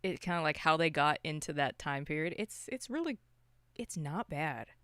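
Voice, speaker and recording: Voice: mid-range voice, expressive, normal speed, pushed and bright, clean tone, no room sound, studio quality. A podcast co-host chatting casually about films in a loose, rambling, unscripted way. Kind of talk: casual unscripted film discussion.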